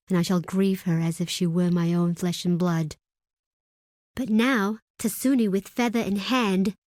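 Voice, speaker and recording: A woman's voice: medium pitch, a little mellow, no room sound, clean studio sound, close to an everyday voice. A woman playing a proud, stern tribal deputy leader in a video game, speaking in a solemn, formal, imperious way. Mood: grieving, then scornful. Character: proud, stern desert tribe woman, second-in-command, wary of outsiders. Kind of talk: dramatic video game character acting.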